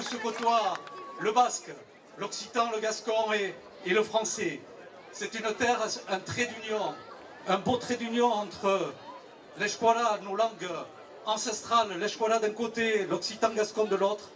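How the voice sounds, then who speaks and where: A man giving a formal public speech as a local official, measured and pausing between short phrases. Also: high voice. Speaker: local authority president, official speaker. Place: public event with crowd. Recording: distant PA microphone, noisy crowd.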